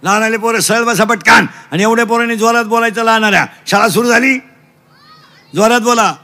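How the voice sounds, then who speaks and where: A middle-aged man preaching a comic kirtan. He shouts questions to the children and mixes broken English into his lessons. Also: very high voice, steady tone, a little fast. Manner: shouting call-and-response with children.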